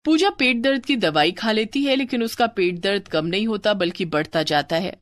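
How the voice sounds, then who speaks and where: A woman narrates a scripted moral story for a cartoon. Her pitch moves a lot and her delivery is expressive. The recording is dry and close. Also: moderate pace, no room sound.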